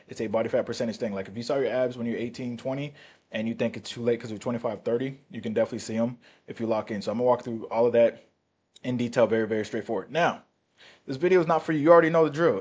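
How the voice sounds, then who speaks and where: Male fitness coach, husky voice, rapid delivery, blunt and swearing, straight-to-camera pep talk. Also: medium pitch, darkish tone. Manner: blunt, profane, repeats "right?" and "all right?". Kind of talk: casual talking-to-camera coaching. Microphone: turned-up mic, quiet recording.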